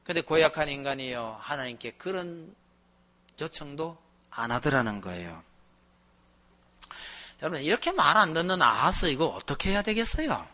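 A man's voice: on the high side, very animated, moderate pace, long pauses, pushed and bright. A male pastor preaching a sermon, telling anecdotes with animation and acting out the voices in them.

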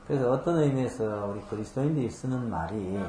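A man's voice: medium pitch, lively intonation, fairly quick, mellow, reverberant, slight background noise. A man preaching a conversational sermon, explaining scripture patiently with homely examples and rhetorical questions. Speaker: pastor. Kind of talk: conversational Bible-teaching sermon.

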